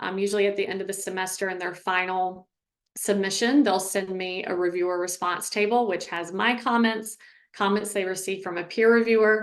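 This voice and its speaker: Fairly quick and with fairly even intonation, a normal speaking voice carries on. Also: woman. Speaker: academic writing coach and professor. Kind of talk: webinar presentation. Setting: online webinar.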